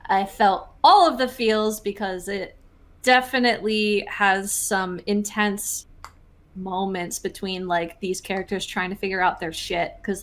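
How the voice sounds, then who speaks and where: A woman's voice: medium pitch, a bit bright. A woman co-hosting a podcast in casual chat, talking loosely with plenty of fillers and restarts. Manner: chatty, heavy on fillers and restarts. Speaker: podcast co-host.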